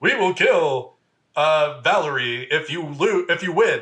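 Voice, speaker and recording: Putting on a raspy character voice with an American accent, a man speaks slowly-ish at a fairly high pitch. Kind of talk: announcer-style delivery. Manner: threatening, melodramatic.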